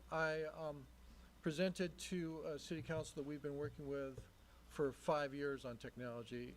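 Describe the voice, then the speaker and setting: A man's voice: fairly high pitch, slight background noise. A male technology consultant explaining things at a public meeting.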